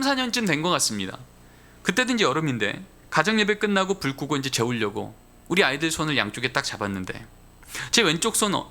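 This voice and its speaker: High, lively Korean preacher telling a story. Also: male voice. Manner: animated storyteller, lively rhetorical questions to the congregation. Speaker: guest preacher. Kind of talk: sermon told as a personal story. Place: church sanctuary.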